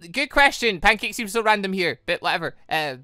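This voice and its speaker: Animated, bright-voiced gaming host. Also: mid-range voice, brisk, no room sound, studio quality, faint music behind. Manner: animated, breaks off into asides and stumbles while reading. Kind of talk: gaming let's play, reading visual novel dialogue aloud with commentary.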